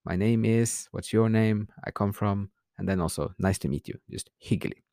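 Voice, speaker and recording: Low gravelly man teaching a language lesson. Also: no echo, clean studio sound. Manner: relaxed, unscripted, reads slow example phrases then translates. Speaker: podcast host, language teacher. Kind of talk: casual spoken language lesson.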